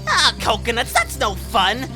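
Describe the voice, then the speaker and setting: A woman plays an excitable little boy monkey. The voice is high and leaps around dramatically, like a small sidekick in an audio drama, with music behind it. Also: a little slow. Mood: eager, pleading. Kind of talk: fan audio drama acting.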